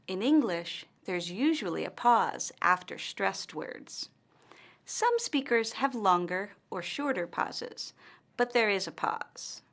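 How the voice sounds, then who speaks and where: A woman narrating a scripted language lesson, speaking slowly and carefully with clearly marked stress and pauses. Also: medium pitch, animated, a bit bright. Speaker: language teacher.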